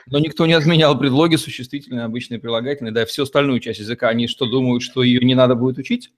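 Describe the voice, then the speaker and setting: A man's voice: medium pitch, fairly even intonation, racing, background noise. A man interviewing a guest, asking long thoughtful questions. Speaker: interviewer, host. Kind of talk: interview conversation.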